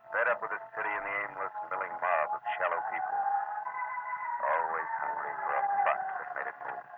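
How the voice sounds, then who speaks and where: An actor playing a world-weary private eye in a 1940s radio drama, clipped, wry and brooding. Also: male voice, deep voice. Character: hard-boiled, world-weary male private eye narrator. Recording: old radio recording, muffled, heavy noise.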